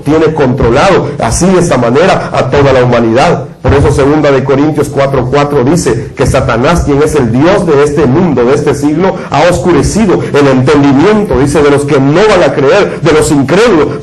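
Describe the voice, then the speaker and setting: A man's voice: mid-range voice, darkish tone, rough recording. A man from Guatemala, a preacher giving a sermon and leading a prayer with a repetitive, fervent cadence.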